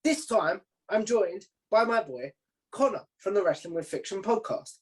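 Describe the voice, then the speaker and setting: A man's voice: high-pitched, lively intonation, normal speed. A man hosting an interview in a casual, chatty style. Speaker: host interviewing a podcaster.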